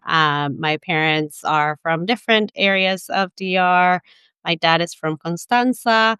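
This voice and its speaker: Attorney guest, young woman from the Dominican Republic, lower, very clear voice, dry sound. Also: bright, forceful tone, dry recording. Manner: measured, explanatory, with frequent ums. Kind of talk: interview answers.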